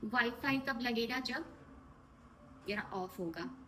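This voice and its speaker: Bright-voiced chatty young woman vlogging. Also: on the high side, takes it slowly, slight background noise. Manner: chatty, talks to viewers as "lovelies". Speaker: vlogger and actor. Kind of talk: casual vlog chat to camera. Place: home, then a film set dressing room.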